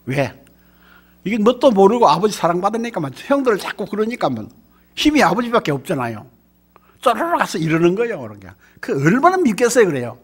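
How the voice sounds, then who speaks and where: A middle-aged man preaching with a Gyeongsang accent, his voice rising and falling sharply as he fires rhetorical questions at the congregation. His tone is husky, with pitch a little above the usual for a man. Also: huge pitch swings, a little fast. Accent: Gyeongsang Korean. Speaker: pastor. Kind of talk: sermon.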